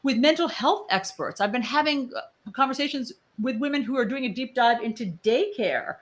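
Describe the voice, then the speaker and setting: Emphatic fifty-five-year-old host. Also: female voice, high voice, moderate pace. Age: 50s. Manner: animated, emphatic, questioning. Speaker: podcast host. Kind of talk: casual podcast interview.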